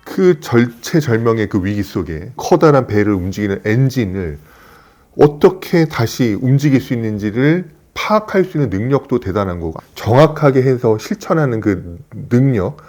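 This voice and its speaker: A man's voice: medium pitch, very animated, normal speed, darkish tone. A man in his fifties, a plastic surgeon, telling stories in an earnest, reflective way. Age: 50s. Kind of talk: casual conversational talk.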